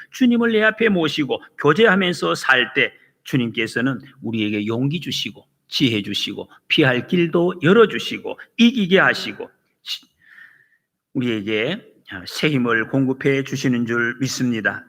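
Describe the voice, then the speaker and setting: A man's voice: mid-range voice, fairly bright tone. A male pastor preaching a Sunday sermon with emphatic swings in delivery, acting out quoted lines. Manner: emphatic, rises and drops sharply, acts out quotes. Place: church sanctuary. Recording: long church reverb.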